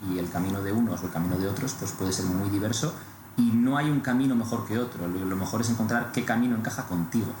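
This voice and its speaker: Man, rapid explanatory chat, roomy sound, noisy background. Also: on the low side. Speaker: podcast co-host. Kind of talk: casual explanatory conversation. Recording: roomy echo, clearly audible background noise.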